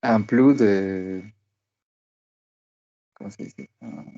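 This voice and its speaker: A man, a student answering in halting French and searching for words. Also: on the low side, creaky, dark tone, lo-fi sound. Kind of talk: language lesson answers.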